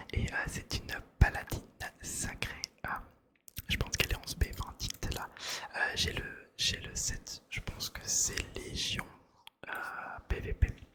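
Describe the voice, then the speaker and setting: Someone whispers with an intense tone. Noticeable background noise is present. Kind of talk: ASMR video, casual talk about video game characters. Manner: intense whispering.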